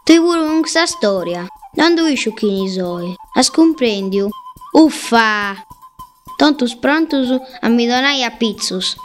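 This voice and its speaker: A woman's voice: fairly high pitch, expressive, slow pace. A woman voicing a tiny, lonely black seed, speaking plaintively in a storybook reading. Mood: hurt. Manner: plaintive, lamenting. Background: faint music.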